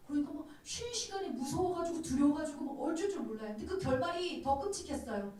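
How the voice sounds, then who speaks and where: A woman youth pastor preaches to teenagers in an animated, storytelling way. Her voice is high and swings through a wide range. She sounds distant in a very echoey church room. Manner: animated storytelling, acts out quoted dialogue. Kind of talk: sermon to teenagers.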